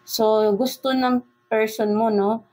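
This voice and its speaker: A tarot reader with a Filipino accent gives a casual reading in Taglish, her voice fairly high, a little mellow, and fairly even in intonation. She talks slowly and chattily, filling her speech with fillers and often ending sentences with "no?" and "right?".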